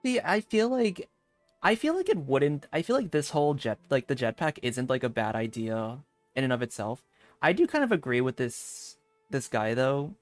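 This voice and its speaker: A male game streamer comments casually as he plays, thinking aloud in an informal way. His voice is mid-pitched, with faint game music behind it. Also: big pitch swings, normal speed, no room sound.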